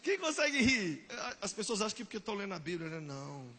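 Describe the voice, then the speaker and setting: A male pastor, preaching a lively, joking sermon with bursts of shouting. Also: high voice, fast talker, noisy background.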